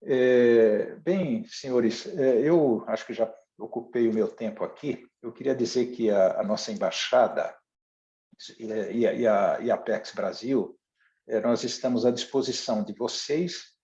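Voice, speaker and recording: A man working as an embassy trade official, giving formal, halting remarks at an online seminar. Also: medium pitch, warm tone. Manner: halting and formal, with many restarts. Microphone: video call. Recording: roomy, dull lo-fi call audio.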